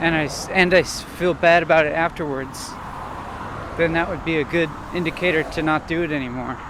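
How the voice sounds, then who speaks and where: Against noticeable background noise, a man speaks at a fairly quick pace with fairly even intonation in a fairly high pitch. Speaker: video blogger. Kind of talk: casual monologue. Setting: outdoors, walking. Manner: monotone.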